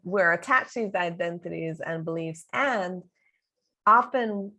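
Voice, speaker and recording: A woman's voice: on the low side, a little slow, sharp tone. A woman interviewer in a conversational public talk, speaking reflectively and appreciatively as she feels out questions.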